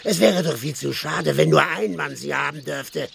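An actor playing a drunken, mocking, lecherous village squire and colonel in a German radio play. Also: male voice, fairly high pitch, normal speed, gravelly, a little hiss or hum. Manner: sneering, swaggering, swinging from murmurs to shouts.

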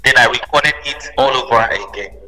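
A man's voice: mid-range voice, normal speed, sharp tone. A man speaking as a musician guest in an interview, emphatic and repeating phrases for stress. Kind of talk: interview conversation. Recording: reverberant room with long echo.

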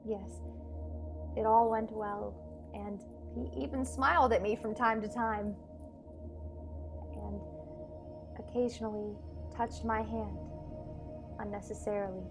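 A young woman acting a composed, devoted lower-caste starship attendant in a radio play, measured and formal in both dialogue and narration. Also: steady tone, gravelly, music in the background. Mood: wistful. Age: young adult. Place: bedroom, over a video call.

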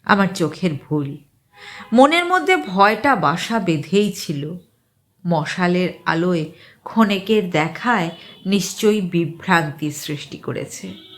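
A woman reading an eerie short story aloud as dramatic narration, with a suspenseful delivery and deliberate pauses. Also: on the low side, lively intonation.

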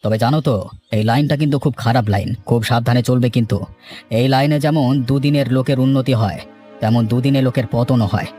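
A man playing a shrewd, seasoned land broker in a cartoon, giving measured, matter-of-fact advice and cautions. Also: medium pitch, warm tone, soft background music, natural voice. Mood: businesslike, cautioning. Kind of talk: dramatized cartoon dialogue.

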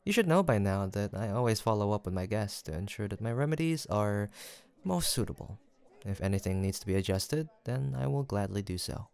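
Brisk and smooth with vocal fry, his fairly low voice has lively intonation. In a soft roleplay audio drama he plays a gentle, kindly young apothecary in a village, speaking politely and formally while reassuring the listener attentively.

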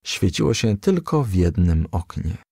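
A man narrating a children's storybook as a gentle, lively storyteller. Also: deep voice, measured pace, breathy edge, dry recording, studio quality.

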